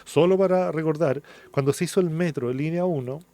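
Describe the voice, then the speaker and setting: Brisk, higher-voiced Chilean man explaining. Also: mellow. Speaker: academic guest, architecture vice dean. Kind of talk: radio interview, explanatory commentary.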